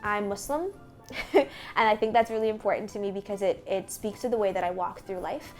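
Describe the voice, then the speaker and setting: A woman's voice: medium pitch, a little fast, darkish tone, faint music behind. Reflective Bahamian woman. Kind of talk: documentary interview.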